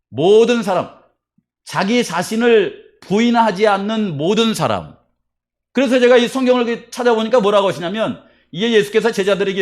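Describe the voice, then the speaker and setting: A man preaching a sermon in a high-pitched voice. He keeps asking his congregation questions and tells stories with emphasis. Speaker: pastor.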